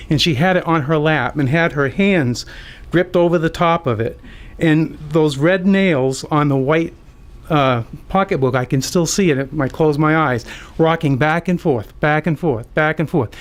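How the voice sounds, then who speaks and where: Higher-pitched older American man telling a story. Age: 60s. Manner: conversational, amused, anecdotal. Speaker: radio host and storyteller. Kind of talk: unscripted personal storytelling on radio. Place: community radio studio.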